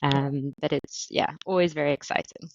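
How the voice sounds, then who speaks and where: A woman's voice: low voice, fairly even intonation, moderate pace, muffled recording, a little hiss or hum. A woman from South Africa in her thirties, a marketing director answering interview questions thoughtfully, often repeating words as she finds her phrasing.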